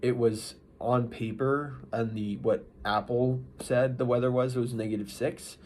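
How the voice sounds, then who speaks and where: A man giving a casual, unscripted vlog recap, speaking in a halting, rambling way with mid-thought restarts. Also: mid-range voice, steady tone, darkish tone. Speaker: vlogger. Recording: noisy ambient background.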